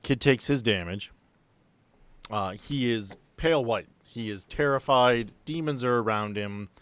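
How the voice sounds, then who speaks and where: A man's voice: mid-range voice, unhurried, a bit bright, clear, resonant tone, no echo. A man narrating a tabletop role-playing game as game master, telling the story in an improvised, conversational way.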